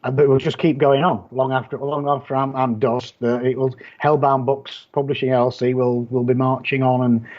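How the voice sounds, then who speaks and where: A man's voice: mid-range voice, flat delivery, moderate pace, few pauses, lo-fi sound. A man with a Yorkshire accent chatting casually as an interview guest, blunt and rambling, often restarting his sentences. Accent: Yorkshire English. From Yorkshire, England. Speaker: guest, horror author and publisher.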